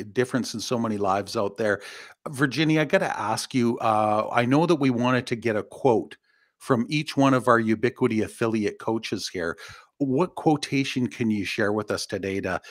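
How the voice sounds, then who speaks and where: A man's voice: medium pitch, no room sound, studio quality. An older man hosting a podcast over a video call from his home office, chatty and upbeat, laughing easily. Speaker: podcast host. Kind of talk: casual podcast chat. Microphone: studio mic on arm, video call.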